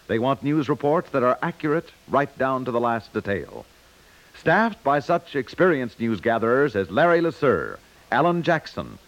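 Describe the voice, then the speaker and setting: Male announcer, vintage network radio style, medium pitch, widely varied intonation, scripted delivery, dull recording. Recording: muffled 1950s radio broadcast recording.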